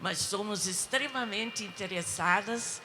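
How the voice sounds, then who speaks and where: A woman's voice: medium pitch, a little slow. An older woman in a theater audience speaking politely and modestly as she poses a question. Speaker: audience member. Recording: noisy hall reverb.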